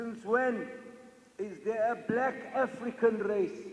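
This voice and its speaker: Speaking very slowly at an extremely high pitch, a man is heard with audible room echo. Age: 80s+. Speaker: conference speaker. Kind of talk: conference speech.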